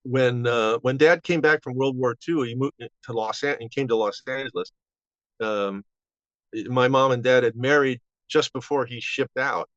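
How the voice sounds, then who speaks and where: An elderly man in his seventies looks back casually as an interview guest. He talks in a halting, rambling way, restarting sentences. The recording is slightly dull and lo-fi, with hardly any room sound. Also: medium pitch, fairly bright tone, no echo. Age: 70s. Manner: halting, rambling with false starts. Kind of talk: casual reminiscing. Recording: dull, band-limited audio.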